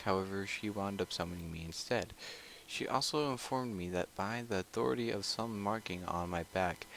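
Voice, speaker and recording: A man's voice: fairly low pitch, slight background noise, poor audio. A man reading a visual novel aloud as he plays, stumbling and rereading lines between casual asides. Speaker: video game player. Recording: loud music over the voice. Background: loud game music.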